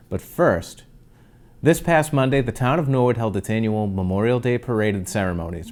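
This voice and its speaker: Low-voiced local news anchor, man. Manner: steady, measured delivery. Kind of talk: scripted news reading.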